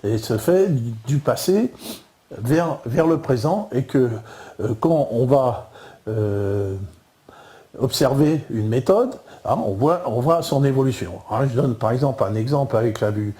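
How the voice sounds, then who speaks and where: An older man with a Parisian accent lectures casually, stumbling through repeated words and constant fillers. His voice sits dark and mellow at a middling pitch. He explains ideas over slides in a relaxed, unscripted way. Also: measured pace. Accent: Parisian French.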